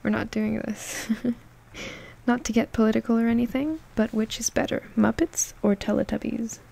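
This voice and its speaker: A woman hosting a soft-spoken ASMR video, playful and giggly, often slipping into whispers. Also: on the high side, steady tone, moderate pace, creaky. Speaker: ASMR channel host.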